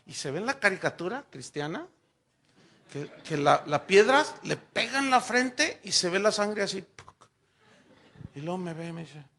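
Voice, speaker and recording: An older Mexican pastor preaching with animated storytelling, his voice high-pitched and bright with a gravelly edge. He acts out every exchange in his stories, jumping up into raised, excited tones. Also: moderate pace, a little hiss or hum. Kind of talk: sermon with personal anecdotes.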